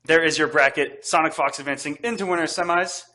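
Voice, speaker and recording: A man calling fighting game matches play-by-play, excitable and quick to yell at big damage. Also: on the high side. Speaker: esports commentator.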